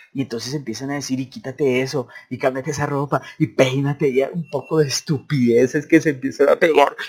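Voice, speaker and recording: In an animated tone, a man with a medium pitch speaks at a moderate pace. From Colombia. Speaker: English teacher. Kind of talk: casual monologue. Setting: library.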